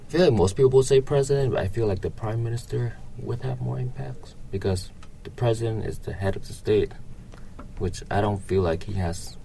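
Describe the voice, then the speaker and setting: A young man from Vietnam with a Vietnamese accent, answering interview questions casually in a hesitant, halting way. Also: lowish voice, gravelly, warm tone, slight background noise.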